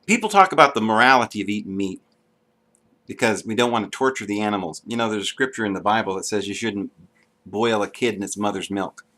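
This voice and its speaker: Bright-voiced man preaching a monologue. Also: on the low side, fast. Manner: earnest, preachy, with frequent ums and restarts. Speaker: video blogger. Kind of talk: unscripted monologue to camera.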